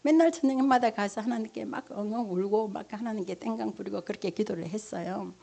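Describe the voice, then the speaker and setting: A woman's voice: medium pitch, fairly quick, creaky, mellow. A middle-aged woman, a pastor's wife, giving an emotional sermon testimony and acting out her own prayers and conversations.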